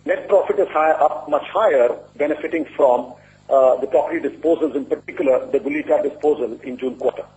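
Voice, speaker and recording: A man speaking as a company executive, giving a formal, measured and deliberate earnings presentation. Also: a little high, mellow. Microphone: conference call line. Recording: muffled lo-fi conference call audio.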